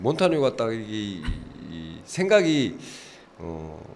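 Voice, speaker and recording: A man with a fairly low-pitched voice. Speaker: football head coach. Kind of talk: casual talk show interview. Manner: fast.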